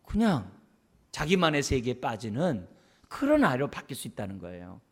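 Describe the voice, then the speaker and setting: A man's voice: medium pitch, huge pitch swings, moderate pace. A man preaching as a pastor at a church service, often putting rhetorical questions to the congregation. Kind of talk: sermon on parenting.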